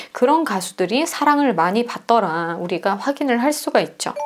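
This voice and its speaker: A woman speaks in a high pitch with very wide pitch swings. Noticeable background noise runs behind her. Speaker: vocal coach. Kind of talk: instructional talk to camera.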